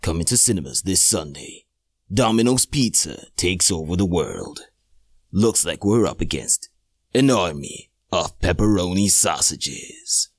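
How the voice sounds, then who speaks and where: A man's voice: low-pitched, expressive, a little slow, dry recording, studio quality, voice pushed down, full character voice. A man performing a mock-epic movie trailer announcer with a portentous delivery.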